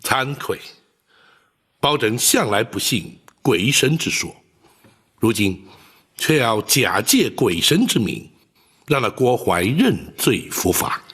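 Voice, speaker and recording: An actor playing a stern imperial judge in a period drama, stately, deliberate and authoritative. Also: male voice, medium pitch, very animated, fairly bright tone, heavily acted. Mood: humble, calm. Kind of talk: theatrical Chinese period drama acting. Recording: reverberant hall.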